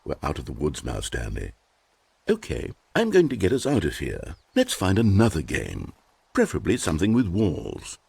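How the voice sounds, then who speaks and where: A man's voice: rumbling low, huge pitch swings, normal speed, vocal fry, darkish tone, husky, dry recording, heavily acted. A synthetic male voice playing a smug, dramatic game narrator, pompous and sardonic. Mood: panicked. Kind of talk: theatrical narration.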